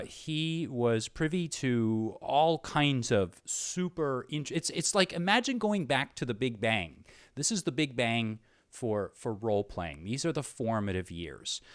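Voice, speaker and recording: A man hosting an interview show in an unscripted, conversational way, halting and repeating words, earnest and effusive. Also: mid-range voice, smooth, dry recording, studio quality.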